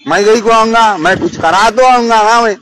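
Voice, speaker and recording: A man with a high voice and a Hyderabadi accent argues informally on a phone call. He keeps protesting and repeating himself over faint line noise and clicks. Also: normal speed, a bit bright. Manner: protesting, repetitive. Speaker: caller in a recorded phone call. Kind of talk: casual phone argument.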